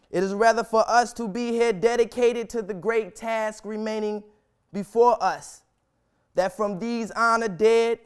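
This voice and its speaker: High-voiced young man, slow solemn oratory. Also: clear, resonant tone. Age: young adult. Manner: deliberate, emphatic phrasing with long pauses. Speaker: student speaker reciting a historic speech. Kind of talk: solemn dramatic public oratory.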